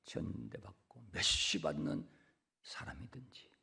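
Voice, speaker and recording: A man preaching a sermon from the pulpit. He drops to hushed whispers, then repeats words loudly for emphasis, and keeps asking the congregation questions. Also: low voice, lively intonation, measured pace, vocal fry, husky. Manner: swings between hushed whispers and loud emphatic repetitions; conversational, asks the congregation questions. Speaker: pastor. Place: church sanctuary pulpit.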